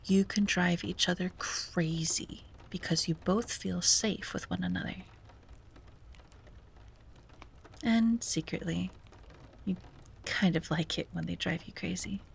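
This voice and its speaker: A woman playing a wistful, self-doubting young sea-witch in an ASMR roleplay, speaking softly and breathily with hesitant musing and frequent drops to a whisper. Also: fairly low pitch, a little slow, a little hiss or hum. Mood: dreamy, longing. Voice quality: breathy, often dropping to a whisper. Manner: hesitant, musing, sighing, gently playful. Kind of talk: ASMR roleplay, soft intimate monologue.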